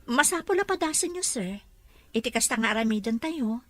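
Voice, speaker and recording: A woman's voice: a little high, animated, normal speed, a bit bright. A woman playing a friendly female caregiver to a mansion boss in an Ilocano audio drama. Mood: helpful, polite.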